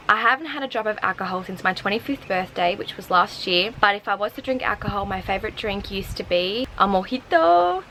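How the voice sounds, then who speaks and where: A woman in her twenties talks chattily to camera on a porch, her voice sitting in a middle range for a woman. German was her first language, and her talk is loose and full of "like". Faint outdoor sounds hang quietly behind her. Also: medium pitch, slight background noise, rough recording. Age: 20s. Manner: chatty and upbeat, with lots of "like" fillers. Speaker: vlogger. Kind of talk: casual chat to camera. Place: porch in front of wooden shutters, outdoors. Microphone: camera in front at chest height.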